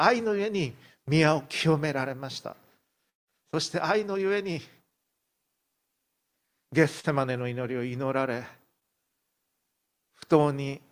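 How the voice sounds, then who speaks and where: A middle-aged male pastor preaching a sermon, retelling a story vividly and with emphasis. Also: mid-range voice.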